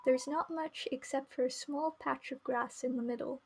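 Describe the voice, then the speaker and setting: A woman's voice: high voice, fairly even intonation, moderate pace, a little hiss or hum. A woman game streamer reading narration aloud and chatting casually as she plays. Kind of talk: live read-aloud narration with casual commentary. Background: faint music.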